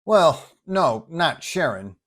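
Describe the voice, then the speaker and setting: A man's voice: a little high, sing-song, takes it slowly, a bit bright, pitched above the performer's own voice, full character voice. A man voicing a wounded, wearily sarcastic male superhero in an audio storybook, wry and matter-of-fact. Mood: strained, matter-of-fact.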